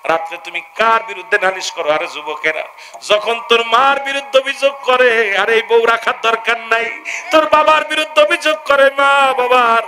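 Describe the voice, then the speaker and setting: Impassioned high-voiced preacher. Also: male voice, moderate pace. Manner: impassioned, shouting calls for the crowd to answer. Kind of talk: Islamic waz sermon. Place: sermon gathering with an audience. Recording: loud noisy crowd ambience.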